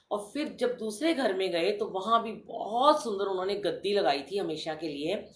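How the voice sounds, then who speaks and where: A middle-aged woman addresses a devotional gathering, telling her story with lively turns and acting out the people she quotes. Her voice sits at a medium pitch and carries a roomy echo around it. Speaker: satsang speaker.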